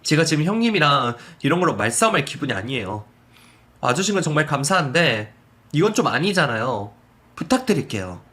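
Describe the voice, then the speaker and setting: A man's voice: a little high, very animated, brisk, voice pushed up. Man voicing a polite grieving young woman. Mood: firm. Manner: polite, restrained, sharp-edged. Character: polite but firm daughter-in-law, grieving young woman.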